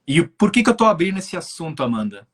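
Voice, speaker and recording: A man's voice: fairly high pitch, sing-song, quick pace, husky. A man in his twenties giving an explanatory talk on a live stream over a video call, often checking in with his listeners. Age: 20s. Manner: explanatory, thinks aloud with many filler tags. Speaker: guest speaker on spirituality.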